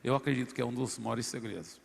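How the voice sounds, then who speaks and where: A man, a guest pastor, telling his personal testimony with animated swings between loud and soft. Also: medium pitch, fast talker, gravelly, long reverb tail, a little hiss or hum.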